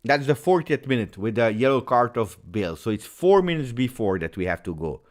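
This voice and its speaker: A French-speaking man with a mid-range voice talks a little fast as he hosts a casual football recap video. He chats with animated passion and drops in fillers constantly.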